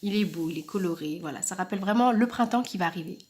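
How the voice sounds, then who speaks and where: A woman presenting craft paper products in a casual vlog, chatty and enthusiastic, often dropping into soft asides. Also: on the low side, quick pace. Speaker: independent crafting product demonstrator.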